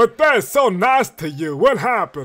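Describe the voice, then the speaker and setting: Over music in the background, a man uses a put-on character voice, high in pitch with very wide pitch swings, at a moderate pace. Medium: machinima. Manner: chatty, easily scared.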